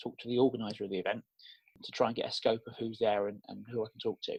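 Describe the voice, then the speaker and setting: The man talks very fast. His sound is dry and close, without any echo. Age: 20s. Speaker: copywriter and marketer, former journalist. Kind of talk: podcast interview.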